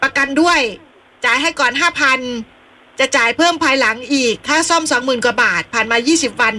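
Bright high-voiced woman radio host. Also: fast. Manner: polite, reads listener messages and questions aloud, a bit flustered. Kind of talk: live radio call-in talk.

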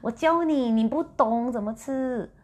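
A woman's voice: a little high, measured pace, darkish tone, voice pushed up. A woman voicing an insistent, hospitable male friend in a dream who keeps coaxing his guest to eat. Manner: eager, coaxing, pressing food on a guest.

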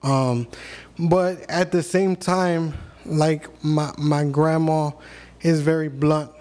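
A man's voice: fairly high pitch, fairly even intonation, slow, darkish tone. A man in his thirties, a podcast guest, telling blunt, profane stories in casual chat. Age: 30s.

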